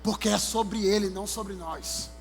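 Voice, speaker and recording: A male pastor with a Maranhão accent preaches in a strikingly high voice, telling his stories with lively exclamations. His voice rings through a church hall with a long reverb. Soft music plays faintly underneath. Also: a little slow, gravelly. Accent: Maranhão, Brazil. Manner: animated storyteller, exclamatory. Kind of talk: sermon with personal storytelling. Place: church sanctuary.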